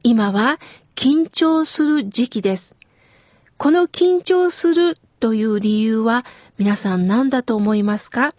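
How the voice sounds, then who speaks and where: A middle-aged woman from Kitakyushu giving gentle, slow, explanatory advice in a scripted talk. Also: a little high, no room sound, clean studio sound. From Kitakyushu, Japan.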